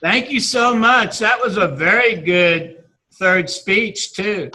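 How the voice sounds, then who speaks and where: A man, a teacher chatting casually and haltingly with many restarts and fillers. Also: high voice, sharp tone, slightly rough. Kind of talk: casual video-call chat.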